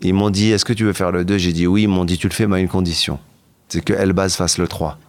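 Animated man telling stories, dry sound. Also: low voice, dry recording. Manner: animated storytelling, halting restarts, bursts of excitement. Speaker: guest. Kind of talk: candid interview talk.

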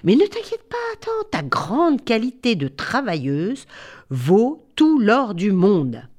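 A woman voicing a stern queen who gives orders in a lowered, imperious voice. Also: huge pitch swings, takes it slowly, a little mellow, full character voice. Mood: commanding.

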